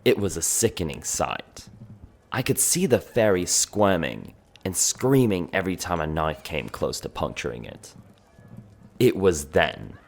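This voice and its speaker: Man playing a gravelly, low-voiced tavern storyteller. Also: big pitch swings, a little slow, full character voice. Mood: insistent, incredulous. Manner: conspiratorial, dramatic, addressing the listener directly. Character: male tavern owner, gossipy storyteller of a dark fantasy town. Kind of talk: fantasy ASMR roleplay storytelling.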